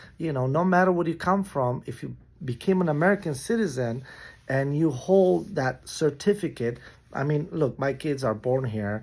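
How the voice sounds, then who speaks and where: A man with a Romanian accent talks at a moderate pace in a somewhat breathy voice, fairly high in pitch and lively in intonation. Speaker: band member. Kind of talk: video statement.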